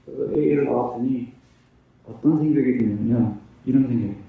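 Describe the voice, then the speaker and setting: A man's voice: mid-range voice, normal speed, vocal fry, narrow, tinny audio. A man in his fifties sharing his recovery testimony in an earnest, plain-spoken way, asking himself questions and answering them. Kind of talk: personal testimony talk. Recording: very echoey room, distant mic.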